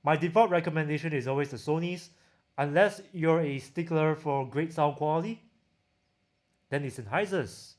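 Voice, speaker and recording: A man's voice: on the high side, moderate pace. A man with a Singaporean accent chatting casually as a livestream host, reading out and answering viewer questions. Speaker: livestream host, audio gear reviewer.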